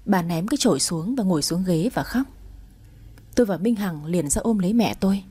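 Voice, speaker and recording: Lady telling a family drama story, low warm husky voice. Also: lively intonation, a little fast. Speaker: narrator. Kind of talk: first-person story narration.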